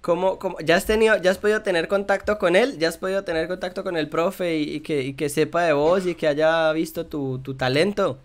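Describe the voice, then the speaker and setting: A man's voice: on the high side, fairly even intonation, brisk, hardly any pauses. A young man with a Colombian accent hosting a casual interview over a video call, chatty and often repeating words as he searches for them. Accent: Colombian Spanish. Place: small room at home. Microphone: headset.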